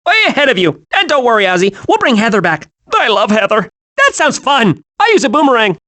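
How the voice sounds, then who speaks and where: Hyperactive young male squirrel, game animation: very high, swooping, wide-eyed and childlike. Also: a little fast, full character voice. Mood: cheerful, naive. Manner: excitable, naive, wide-eyed. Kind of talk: animated video game voice acting.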